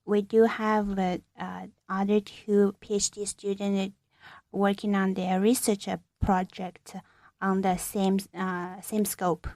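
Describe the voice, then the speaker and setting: Woman researcher on radio, slow and halting, lots of uhs, flat voice, dry sound. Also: medium pitch, no echo. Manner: hesitant, many uhs, halting. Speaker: researcher guest. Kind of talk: interview answers. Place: radio studio.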